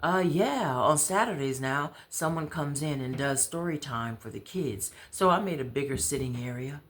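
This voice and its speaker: A woman's voice: deep voice, expressive, normal speed. Woman reading a bantering male shop owner. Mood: teasing, chatty. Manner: casual, bantering. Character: friendly male shop owner, teasing an old friend. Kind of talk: storybook dialogue reading.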